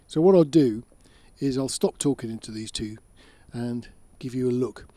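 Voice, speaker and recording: A man's voice: medium pitch, moderate pace, warm tone. A man giving a casual explainer as a presenter, talking in a matter-of-fact, conversational way, step by step. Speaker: presenter of an audio gear channel.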